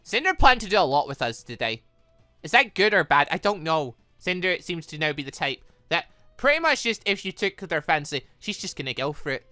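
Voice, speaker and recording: A woman giving excitable video game commentary as a let's play host, reacting out loud with exclamations. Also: low voice, brisk, no echo, faint music behind.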